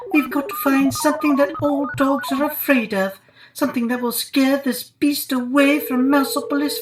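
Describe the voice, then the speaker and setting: Man doing a high-pitched lady mouse professor. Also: reverberant, poor audio. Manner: earnest, lecturing. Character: learned female mouse professor, earnest and squeaky. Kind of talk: storybook character voice.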